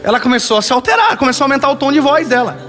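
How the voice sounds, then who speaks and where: A young man preaching in Brazilian Portuguese, telling a story and swinging from rising emphasis to low, hushed lines. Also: very animated, very fast, music in the background. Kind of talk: sermon with a story.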